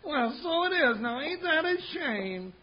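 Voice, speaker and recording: A squeaky folksy deputy sidekick. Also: male voice, big pitch swings, unhurried, full character voice. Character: bumbling grown male deputy sidekick in a dress. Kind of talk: 1950s radio western drama. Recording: dull old radio broadcast.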